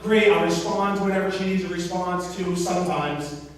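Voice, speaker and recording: A man giving an energetic live presentation to an audience, telling stories with lots of asides. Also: high voice, moderate pace. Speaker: motivational speaker. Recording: echoey hall, mic at a distance.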